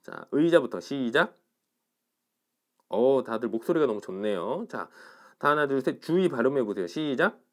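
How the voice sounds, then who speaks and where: A man's voice: medium pitch, animated, fairly quick. A man teaching pronunciation in an online class, explaining step by step and checking in with his students after each point. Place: indoors, recording alone for an online class.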